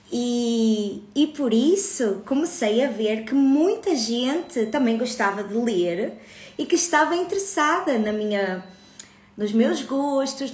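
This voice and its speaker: A woman's voice: a little high, echoey room. A woman in her thirties with a European Portuguese accent, hosting a casual live stream about her book club, chatty and greeting viewers. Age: 30s.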